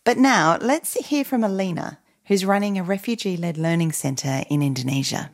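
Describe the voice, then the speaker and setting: A woman host presenting scripted links with a clear, composed delivery. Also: on the low side, expressive, moderate pace. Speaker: podcast host. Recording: soft music underneath.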